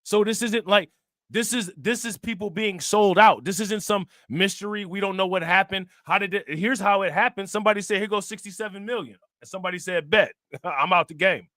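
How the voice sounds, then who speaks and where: A man's voice: high-pitched, brisk, no room sound, studio quality. A man hosting a livestream, casually reacting to a news clip, joking, laughing and reading out chat comments. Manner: joking, laughing, repeats himself, reads chat shout-outs.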